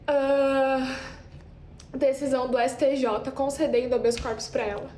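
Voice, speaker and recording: Emotional high-voiced woman lawyer. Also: little pitch movement, unhurried, warm tone, reverberant, slight background noise. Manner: overwhelmed, exclamatory, in disbelief. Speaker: defense lawyer. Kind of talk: emotional self-recorded video.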